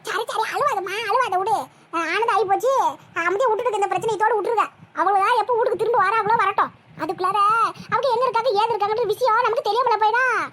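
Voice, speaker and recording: A talkative village aunty from a cartoon, voiced by a woman, full of advice and scolding in a Tirunelveli Tamil accent. Her voice sits very high and her words come quickly. She means well but cannot stop meddling. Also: a bit bright, slight background noise. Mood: coaxing. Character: chatty middle-aged village aunty, meddling but caring. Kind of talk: cartoon voice acting.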